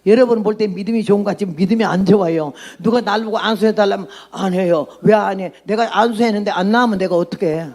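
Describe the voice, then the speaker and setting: An elderly woman in her nineties preaches with blunt, outspoken energy, mixing testimony into her sermon and pausing to quiz her listeners. Her voice is gravelly and rough. She laughs at her own bold remarks as she goes. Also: medium pitch, darkish tone. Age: 90s. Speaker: missionary preacher.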